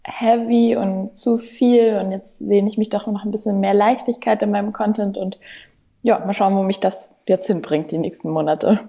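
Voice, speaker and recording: A woman's voice: medium pitch, fairly even intonation, moderate pace, gravelly, mellow. A woman in her twenties, a content creator, chatting casually and rambling as a podcast guest on a call. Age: 20s. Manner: chatty, rambling with many fillers. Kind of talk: casual interview talk. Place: remote, on a call from home city.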